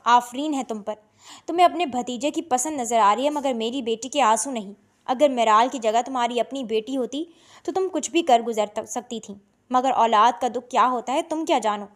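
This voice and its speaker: A stern middle-aged father, acted by a woman reader in a storybook drama. He pleads helplessly one moment and growls with biting sarcasm the next, in a high voice. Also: lightly acted. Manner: pleading then harsh, sarcastic.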